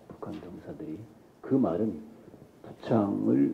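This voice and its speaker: A man over light background noise. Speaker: army general, military medical chief. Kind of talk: panel discussion. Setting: stage with audience. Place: hall. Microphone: handheld.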